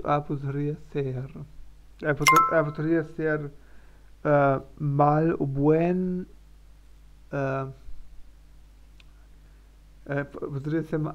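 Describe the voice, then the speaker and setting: A non-native man speaks in a slow, halting way, with a gravelly edge to his fairly high voice. He stops, repeats and corrects himself all the time. The stream audio sounds a bit muffled. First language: not Spanish. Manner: hesitant, many fillers and restarts, self-correcting. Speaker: language learner streaming his practice. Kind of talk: halting live-stream practice talk.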